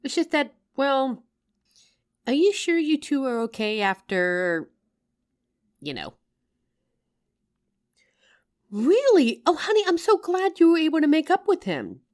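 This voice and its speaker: Woman acting an expressive, loving, teasing wife. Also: high-pitched, a little slow, full character voice. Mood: surprised, relieved. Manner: affectionate, playful, expressive. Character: loving, teasing working wife, tired after work. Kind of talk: intimate roleplay audio addressed to listener.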